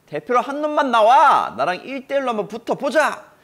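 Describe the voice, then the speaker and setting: A man's voice: extremely high pitch, very animated, fairly quick, a bit bright, pitched above the performer's own voice, heavily acted. A man voicing a huge, boastful giant warrior who bellows taunts at an enemy army. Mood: taunting.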